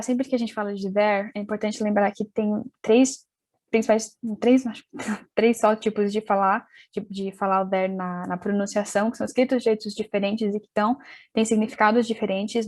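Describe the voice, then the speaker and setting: A young woman with a mid-range, slightly mellow voice explains things casually in an online English class. She restarts sentences and spells words out letter by letter, and her English carries a London accent.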